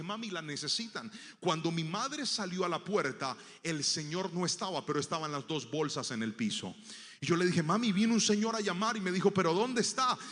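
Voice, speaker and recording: Telling a personal story in his sermon, a high-voiced man acts out the voices of the people involved and builds to loud proclamation. He speaks in a large hall.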